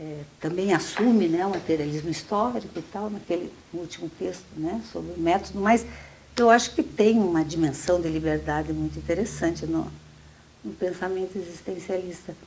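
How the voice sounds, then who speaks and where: With vocal fry and big swings in loudness, a woman speaks at a moderate pace. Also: fairly low pitch for a woman, ordinary pitch variation. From Curitiba, southern Brazil. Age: 60s. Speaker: psychologist and professor, former activist. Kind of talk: oral history testimony interview. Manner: halting, many fillers.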